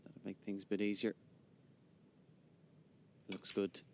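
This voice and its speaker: A man offers measured live snooker commentary. His voice sits fairly low and stays quite flat in intonation, over faint rumbling noise.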